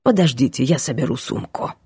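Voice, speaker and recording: A gruff, sly male cook, put on by a woman reading a storybook. He speaks low and husky, with a grumbling, knowing tone. The sound is dry and close. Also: expressive, a little fast, warm tone, no room sound, exaggerated voice. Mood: wry. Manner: grumbling, then wry.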